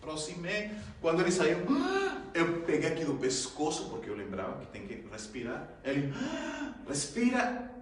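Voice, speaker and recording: A man giving a humorous spiritist talk, acting out his own gasps and shouts and laughing often as he tells the story. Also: a little high, moderate pace. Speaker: spiritist lecturer. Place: lecture hall. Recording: very echoey hall, mic at a distance.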